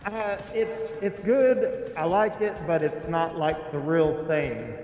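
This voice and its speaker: A man in casual podcast chat, speaking in a hesitant, halting way. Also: on the high side, animated, a little mellow, soft background music. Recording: echoey room with long reverb.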